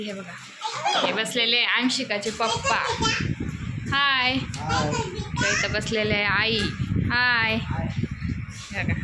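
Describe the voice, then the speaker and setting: A woman films a relaxed family vlog on her phone. Her high voice swoops widely as she coaxes little ones and then chats to her viewers. She speaks at an unhurried pace over loud, constant background noise. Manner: coaxing small children in a high sing-song voice; chatty narration to viewers between the children. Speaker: family vlogger.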